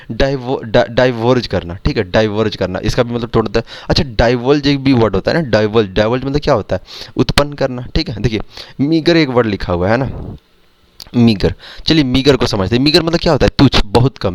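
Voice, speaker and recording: Fast-talking Indian man teaching vocabulary. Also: medium pitch, dry recording. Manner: explains words with repeated quiz questions. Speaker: English teacher for exam prep. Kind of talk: Hindi vocabulary lesson over screen.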